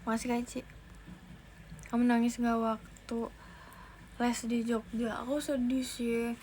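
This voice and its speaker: Young woman livestreamer, fairly high voice, chatty, faint background noise. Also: level tone, a little slow, a little mellow. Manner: chatty, thanks viewers, restarts sentences. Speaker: idol livestreamer. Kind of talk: casual livestream chat. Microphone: phone.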